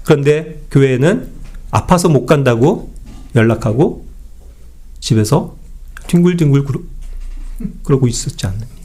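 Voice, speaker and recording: A stern male Lord sits in judgment and rebukes each servant with pointed questions, as a preacher acts him out. His voice is set lower than the preacher's usual high, lively tone. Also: moderate pace, pauses often, breathy edge. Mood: reproachful. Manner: reproachful, questioning.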